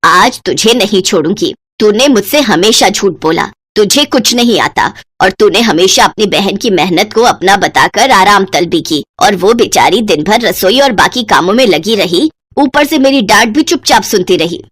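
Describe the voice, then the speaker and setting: A woman's voice: medium pitch, expressive, moderate pace, hardly any pauses, fairly bright tone, breathy edge, voice pushed down. A woman voicing a stern older mother-in-law who scolds her daughter-in-law in a cartoon story. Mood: scolding.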